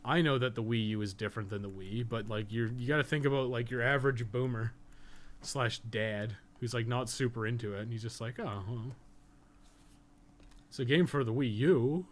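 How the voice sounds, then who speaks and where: A man with a medium-pitched voice talks at a normal speed, rambling casually and swearing often while playing on a gaming live stream. He's a gaming streamer who also co-hosts a podcast, chatting loosely as he plays.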